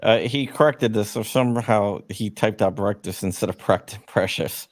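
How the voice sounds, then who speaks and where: A man hosting a casual livestream interview, relaxed, reading out viewer questions. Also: fairly low pitch, moderate pace. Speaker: host.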